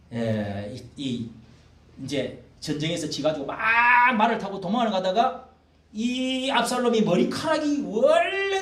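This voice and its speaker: An older man preaching a sermon as pastor, talking in a folksy, animated way and acting out the quotes he reads. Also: sits high. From South Korea. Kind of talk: expository sermon. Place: church hall. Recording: echoey room, mic at a distance.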